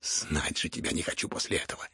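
A man reading a storybook who voices a stern middle-aged noblewoman, shrill and indignant as she scolds. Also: quick pace, pushed and bright, dry recording. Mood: furious.

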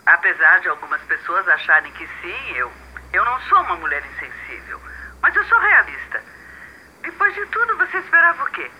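An actress playing a cold, hostile middle-aged wife in a radio soap, cutting and sarcastic. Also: female voice, lowish voice, sing-song, moderate pace. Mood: scornful, sarcastic. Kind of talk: radio soap opera acting. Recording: dull lo-fi telephone sound, faint noise.

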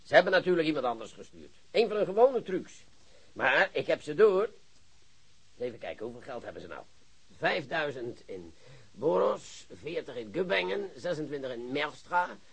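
An actor playing an excitable, boastful police chief who lectures his colleagues in a radio play. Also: fairly high pitch, normal speed, vocal fry, slightly rough, heavily acted, rough recording. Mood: excited, lecturing. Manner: animated, theatrical, lecturing colleagues. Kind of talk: Dutch radio drama acting.

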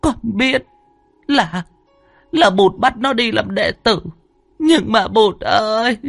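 A man voicing a frightened old village grandmother in her sixties, shrill and sobbing. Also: takes it slowly, dry recording, faint music behind. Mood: pleading tearful. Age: 60s.

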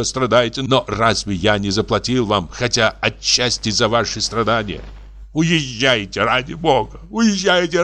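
A man voicing a desperate, jealous gentleman imploring his rival to leave, in an audiobook reading. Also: medium pitch, pitched above the performer's own voice, close to an everyday voice.

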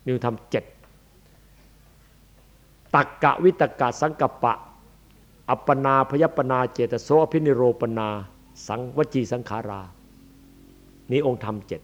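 A man's voice: mid-range voice, unhurried, long pauses. A man, a Buddhist monk, giving a dharma sermon in a blunt, emphatic, demonstrative way. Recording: dull lo-fi archive recording.

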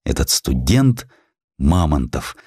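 A man with a very low voice narrates literary prose as a dramatic audiobook. The recording is close and dry, with no room sound around the words. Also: big pitch swings, slow, darkish tone, slightly rough, no room sound.

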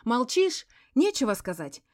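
A woman reading an audiobook voices a furious, spiteful ex-wife who hisses and yells, her voice breaking into shrieks. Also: medium pitch, a little fast, no room sound, clean studio sound, natural voice. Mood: venomous, screaming. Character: furious embittered ex-wife, spiteful poisoner, screaming.

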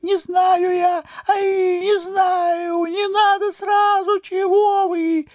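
A man's voice: extremely high pitch, level tone, takes it slowly, a little mellow, dry recording, studio quality, pitched above the performer's own voice. A man voicing an enchanted paper note that whimpers and pleads in a tiny, thin voice. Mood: wailing.

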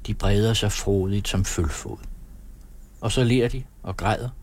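A man reading a novel aloud in steady, descriptive scripted narration. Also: on the low side. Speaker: audiobook narrator.

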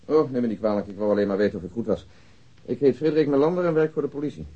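An actor playing a polite, dry, methodical police detective with a businesslike manner in a radio drama. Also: male voice, medium pitch, animated, racing, mellow, natural voice. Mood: polite, calm. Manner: businesslike, unruffled. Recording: dull lo-fi old radio recording.

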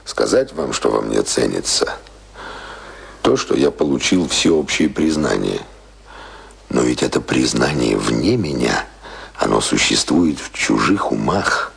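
A disillusioned, famous man who has lost his taste for life. His voice is extremely deep, gravelly and very husky. He broods theatrically, as in a radio play, with faint music beneath. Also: big pitch swings, measured pace, exaggerated voice. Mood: bitter, measured. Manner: brooding, theatrical monologue delivery. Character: ailing, embittered celebrated man, disillusioned and weary of life. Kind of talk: Russian radio play acting. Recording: radio drama with music underneath.

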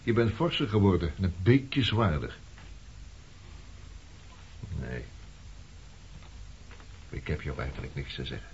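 A man's voice: low-pitched, very animated, a little slow, pauses often, exaggerated voice. An actor in a Dutch radio play playing a sardonic man back from the past, coolly needling and provoking. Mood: musing. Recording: dull, noisy old radio play recording.

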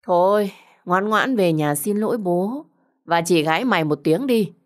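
A woman's voice: lowish voice, animated, a little slow. A woman voicing a cruel, treacherous young woman in an audio story, with a mocking, condescending and sarcastic manner.

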